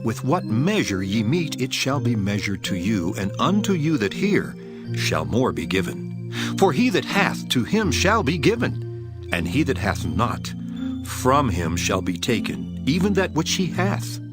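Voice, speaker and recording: A man playing a solemn, authoritative male teacher of parables, declaiming deliberately in a dramatized scripture reading. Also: medium pitch, sing-song. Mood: earnest, authoritative. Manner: declamatory, deliberate preaching delivery. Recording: prominent music behind the voice. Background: music.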